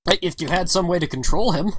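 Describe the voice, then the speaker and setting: A woman's voice: on the low side, quick pace, husky, no echo. A woman narrating as game master of a tabletop game, casual and often laughing, with many "all right"s and "uh"s.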